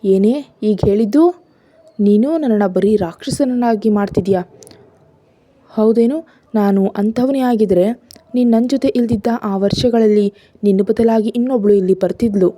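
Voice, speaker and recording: A woman's voice: medium pitch, fairly even intonation, normal speed, warm tone, natural voice. A woman voicing a hot-tempered, domineering husband who scolds harshly and sarcastically. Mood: angry.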